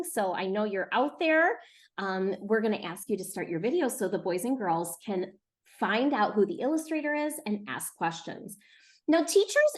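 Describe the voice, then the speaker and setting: Female event host, high register, instructional delivery for a young audience on a live video call. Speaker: book publisher hosting an author event. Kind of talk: addressing classrooms on a live call.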